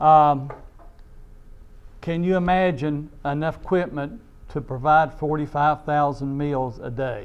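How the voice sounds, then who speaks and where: With an East Tennessee accent, a man with a fairly high pitch speaks at a fairly slow pace in fairly even intonation, leaving long, frequent pauses. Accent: East Tennessee Southern US. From US South (Kingsport, East Tennessee). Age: 70s. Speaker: disaster relief volunteer leader. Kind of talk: talk to a civic club.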